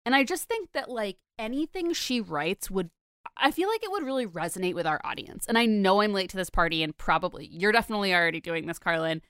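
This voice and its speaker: A young woman from Connecticut, co-hosting a podcast in a chatty, animated way with lots of filler words. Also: medium pitch, quick pace, clear, resonant tone, no room sound, clean studio sound. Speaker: podcast co-host. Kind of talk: casual chat.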